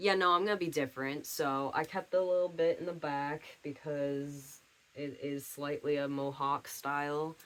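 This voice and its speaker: A normal speaking voice from a man, fairly high in pitch, at a moderate pace with fairly even intonation. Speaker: vlogger documenting transition. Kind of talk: casual vlog update. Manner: casual, many filler ums.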